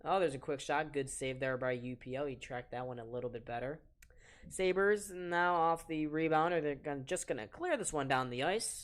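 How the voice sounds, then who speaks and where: An eighteen-year-old man with a soft voice, casually calling live hockey play-by-play on a stream and chatting with viewers between plays. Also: fairly high pitch. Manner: chatty, reads chat aloud and talks to viewers between plays. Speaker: play-by-play commentator and stream host.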